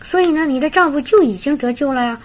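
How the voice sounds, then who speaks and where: A woman preaching through a lively story, chatty and full of fillers. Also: sits high, fast, low-quality recording. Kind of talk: storytelling sermon.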